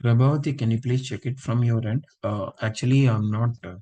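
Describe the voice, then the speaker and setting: A man's voice: medium pitch, steady tone, fairly quick, warm tone. A man teaching a live online class over a video call, who keeps stopping with fillers to check that his students understand. He says he is not feeling well. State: unwell, voice low. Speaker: instructor.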